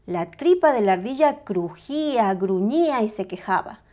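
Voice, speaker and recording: A woman reading a picture book aloud as a storyteller, with expressive, dramatized narration for small children. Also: mid-range voice, normal speed.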